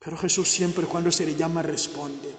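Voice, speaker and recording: A man's voice: on the high side, steady tone, normal speed. A man preaching a sermon in a large church, fervent and imploring, repeating phrases and at times raising his voice sharply. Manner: fervent, repetitive, imploring, with sudden raised exclamations. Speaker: priest. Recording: echoey church, long reverb.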